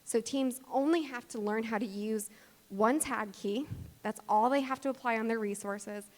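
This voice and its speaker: A woman's voice: fairly high pitch, normal speed, darkish tone. A woman giving an explanatory conference presentation as a practitioner speaking to an audience. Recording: long hall reverb.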